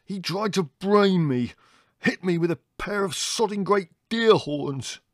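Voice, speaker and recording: A man's voice: sits high, lively intonation, measured pace, no echo, clean studio sound, voice pushed up. A man voicing an irate young man who snarls and swears at his family. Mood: furious.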